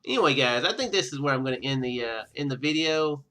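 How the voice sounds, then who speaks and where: A man hosts a casual gaming playthrough in a bright, fairly high voice that swings widely in pitch. He rambles and thinks out loud as he goes. Music plays faintly behind him. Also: animated, fast talker. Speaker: gaming video host. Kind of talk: casual let's play commentary.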